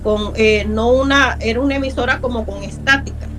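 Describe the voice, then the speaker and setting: Earnest woman, slightly high voice. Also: a little fast, fairly bright tone, poor audio. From Honduras. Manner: earnest and emphatic, repeats words for stress. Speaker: guest telling a true haunting story. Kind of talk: personal storytelling in a conversation.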